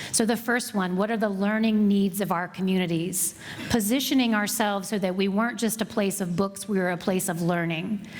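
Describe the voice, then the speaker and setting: With a Southern US accent, a woman speaks at a medium pitch and fairly even intonation amid noticeable background noise and audible room echo. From US South, South Carolina (Columbia). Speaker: library director. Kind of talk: conference talk. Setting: conference audience. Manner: slow, deliberate.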